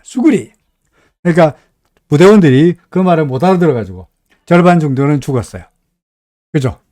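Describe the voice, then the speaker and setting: A man's voice: fairly high pitch, a little mellow, no room sound, clean studio sound. Chatty man with a Gyeongsang accent. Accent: Gyeongsang Korean. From Gyeongsang region, Korea. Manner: chatty, folksy, asks "right?" often. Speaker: stock market analyst host. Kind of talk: live market commentary.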